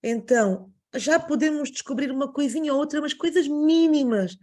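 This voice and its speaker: A woman, hosting an interview and asking her guest calm, supportive questions. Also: high-pitched, moderate pace. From Portugal. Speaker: interview host. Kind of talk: conversational interview.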